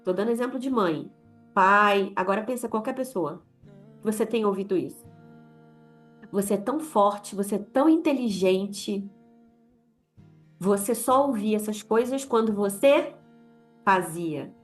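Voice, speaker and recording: A woman's voice: mid-range voice, expressive, a little slow, long pauses, soft background music. A young adult woman with a Brazilian Portuguese accent giving an informal sermon to women, talking in a conversational way and acting out quoted voices. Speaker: women's ministry leader.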